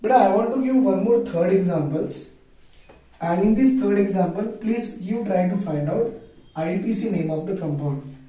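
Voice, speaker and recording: A man's voice: high voice, normal speed, warm tone. A man with a South Asian accent teaching an online chemistry lesson, asking his own questions, repeating points and spelling terms out. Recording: echoey room, far from mic.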